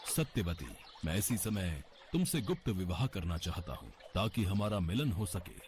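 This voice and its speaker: A man's voice: low voice, animated, normal speed, a little mellow, a little hiss or hum. A man playing a revered Hindu sage in a devotional storybook, formal, solemn and persuasive. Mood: earnest. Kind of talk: dramatized devotional storybook acting.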